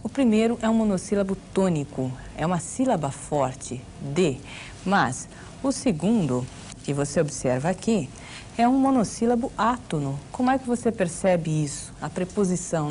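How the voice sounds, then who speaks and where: A woman's voice: on the low side, a little mellow, slight background noise. A woman with a Brazilian accent teaching a grammar video lesson, explaining patiently and asking rhetorical questions. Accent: Brazilian Portuguese. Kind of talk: video lesson for exam prep.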